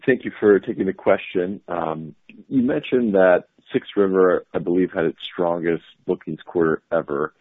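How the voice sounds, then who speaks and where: A man's voice: sits low, moderate pace, no echo. A man working as a financial analyst, politely putting a question on an earnings call over a narrow phone line.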